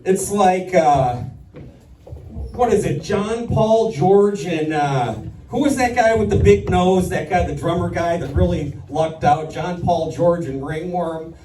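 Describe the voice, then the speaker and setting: A man's voice: high-pitched, slow, background noise. A man doing stand-up comedy in front of an audience, rambling through sardonic complaints. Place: live stand-up performance in an echoey room. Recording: echoey room, distant mic.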